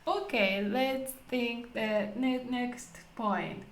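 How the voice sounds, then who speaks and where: A woman with a high voice and a Japanese accent hosts a conversational language lesson. She explains step by step and poses questions along the way. The sound is echoey and roomy. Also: extremely slow, a little hiss or hum. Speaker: host leading English conversation practice. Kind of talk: casual explanatory lesson talk.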